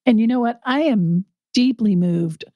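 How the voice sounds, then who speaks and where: Slightly raspy woman co-hosting a podcast. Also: on the high side, a little slow, no room sound, muffled recording. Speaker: podcast co-host. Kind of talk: casual podcast chat.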